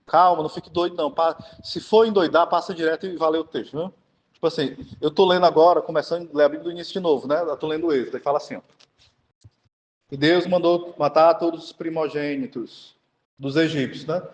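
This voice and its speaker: A man's voice: fairly high pitch, steady tone, quick pace. A man from Northeast Brazil with a Cearense accent, preaching an informal teaching sermon and often asking the listeners whether they understand. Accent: Cearense Portuguese. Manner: chatty, keeps asking the audience if they understand. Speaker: Catholic preacher. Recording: long hall reverb.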